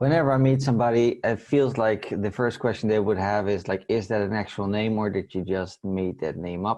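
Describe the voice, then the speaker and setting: In a Dutch accent, a man speaks at fairly low pitch with a dark, mellow tone and ordinary pitch variation. His pace is fairly quick with hardly any pauses, against a quiet background. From Netherlands. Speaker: agile coach. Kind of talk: webinar presentation.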